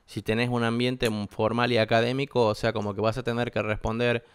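Argentine teacher explaining patiently. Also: male voice, medium pitch, level tone, a little fast, smooth, no room sound. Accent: Argentine Spanish. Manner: explains patiently, checks in with students. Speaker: English teacher. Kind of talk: classroom lesson. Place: classroom.

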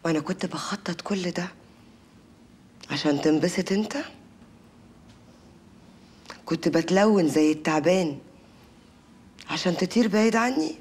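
An actress playing a cold, scheming Egyptian wife who talks in a hushed, menacing way. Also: female voice, lowish voice, normal speed, long pauses, a little hiss or hum, natural voice. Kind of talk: film drama acting.

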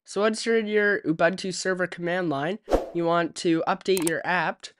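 A man hosting a tech tutorial, walking through software setup step by step as a voice-over at a USB desk microphone. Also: high-pitched, moderate pace, over music. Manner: steady step-by-step instruction. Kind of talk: screen-recorded software tutorial.

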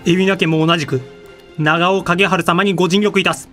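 A man's voice: sits high, fairly even intonation, moderate pace, a bit bright, soft background music. A man playing a courteous young samurai lord in a period voice drama, with polite, formal, archaic speech. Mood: resolute. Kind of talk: Japanese period voice drama acting.

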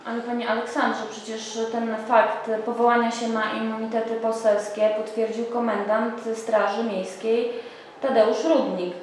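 A woman's voice: fairly high pitch, flat delivery, moderate pace, slight background noise. A woman journalist asking probing, persistent questions at a press conference. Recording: echoey room, voice from far off.

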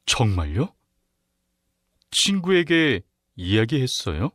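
A man reading the question numbers and his part of a listening-test dialogue, slowly and with careful enunciation. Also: medium pitch, big pitch swings, fairly bright tone, dry recording, clean studio sound. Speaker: narrator and dialogue reader on a Korean listening exam. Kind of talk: scripted exam narration and dialogue.

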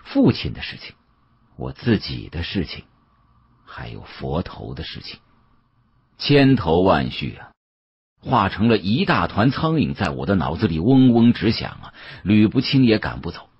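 A man's voice: low voice, very animated, measured pace, breathy edge, dry recording. A man narrating a novel in the first person as an audiobook, in a dramatic, colloquial storytelling style. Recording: muffled, dull lo-fi audio.

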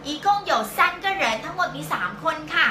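A woman teaching a live-stream language lesson, patiently explaining step by step and slowly repeating words for learners. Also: extremely high pitch, bright, forceful tone, slight background noise. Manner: slow, drawn-out repetition of words for learners. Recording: echoey room.

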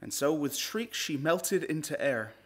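A man playing a grieving, reluctant nobleman in a slow, solemn classical stage monologue. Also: a little high, expressive, fairly bright tone. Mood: sorrowful, haunted. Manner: slow, solemn, formal verse delivery. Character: grieving, reluctant nobleman in Shakespearean tragedy, tender and haunted.

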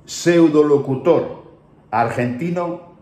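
A man's voice: fairly high pitch, slow, darkish tone. Spanish voice guy ranting, castilian accent, scolds a lot, roomy echo. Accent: Spain Spanish. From Spain. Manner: indignant, scolding, emphatic. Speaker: voice-over artist. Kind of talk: opinionated video commentary. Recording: echoey room.

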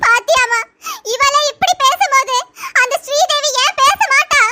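A woman's voice: extremely high pitch, unhurried, noisy background. A woman voicing a bitter, scornful middle-aged mother in a cartoon, complaining about her daughter. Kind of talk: cartoon voice acting.

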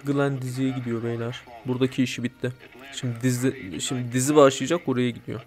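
A man doing let's play commentary, joking and bursting into loud mock-angry swearing. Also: mid-range voice, level tone, fast talker. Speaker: gameplay commentator.

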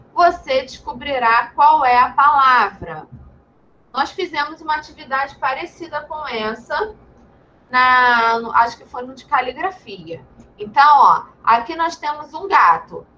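Brazilian woman, teacher, gentle, patient, unhurried, tinny video-call sound. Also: high voice, a little hiss or hum. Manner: patient, gentle, affectionate with pupils. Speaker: teacher of young children. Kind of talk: online class for young children.

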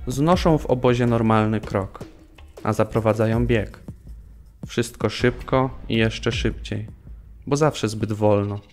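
An actor in an audio drama playing a grave camp prisoner giving testimony. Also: male voice, fairly low pitch, a little slow, natural voice. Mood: grave, somber. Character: grave male Polish concentration camp prisoner recounting camp life. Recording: studio voice over background music.

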